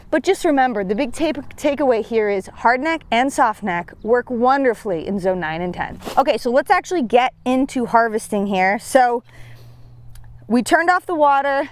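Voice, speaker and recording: A young woman giving a chatty, upbeat gardening tutorial outdoors on a farm. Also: a little high. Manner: chatty, self-deprecating, upbeat. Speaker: seed company gardener.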